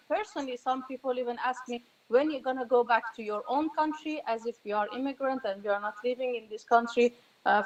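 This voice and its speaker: Woman, Arabic native, panel speaker; hesitant delivery, fillers, slightly high-pitched. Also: slight background noise, poor audio. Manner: hesitant, many ums and restarts. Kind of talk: panel talk.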